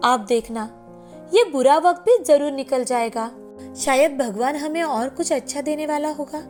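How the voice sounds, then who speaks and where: A woman's voice: sits high, moderate pace, darkish tone, faint music behind, lightly acted. A woman voicing a devoted, determined village wife who speaks in an earnest, pleading way. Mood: comforting.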